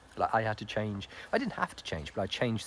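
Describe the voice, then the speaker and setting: Somewhat breathy delivery from a man, fairly quick in pace. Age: 40s. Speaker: live streamer. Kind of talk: casual chat. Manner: halting.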